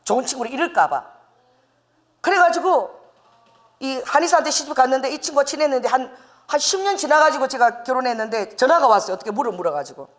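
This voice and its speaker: A middle-aged woman pastor preaching a sermon, animated, acting out the voices she quotes and laughing as she goes. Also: high-pitched, quick pace.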